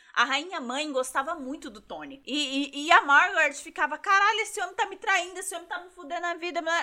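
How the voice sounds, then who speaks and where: In an extremely high pitch, a woman talks at a fairly quick pace with a raised, projected voice, a bright, sharp tone and an animated delivery. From São Paulo, Brazil. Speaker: podcast host. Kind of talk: casual chat.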